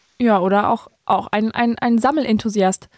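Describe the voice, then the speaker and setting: A woman speaks in an ordinary speaking voice with a fairly high pitch. Her intonation stays fairly even. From Saarland. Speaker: radio host. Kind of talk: casual radio chat with callers. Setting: radio studio.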